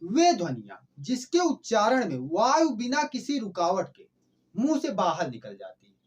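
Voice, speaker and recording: A man teaching a grammar lesson, who asks the class questions, answers them himself and repeats sounds slowly for them. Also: sits high, huge pitch swings. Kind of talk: classroom lecture.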